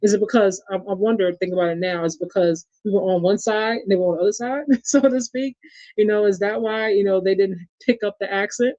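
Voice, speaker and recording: A man's voice: high voice, steady tone, a little fast, darkish tone, no room sound. Chatty New York man, dull lo-fi sound. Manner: chatty, addresses the audience as y'all and reads viewer comments aloud. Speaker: podcast host. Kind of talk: casual sports chat.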